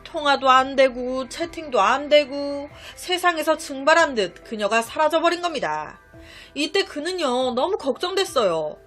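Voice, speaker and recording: High, lively woman telling a true-crime story. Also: moderate pace. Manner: chatty, conversational asides to listeners. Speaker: storytelling YouTuber. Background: faint background music.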